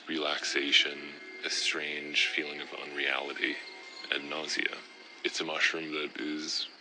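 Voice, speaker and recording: A man with an exceptionally deep voice narrates a documentary in a calm, measured way. His delivery stays soft and faintly deadpan even when he marvels. Loud background music sits under the recording. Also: low-quality recording. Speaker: documentary host. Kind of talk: documentary narration and field interviews.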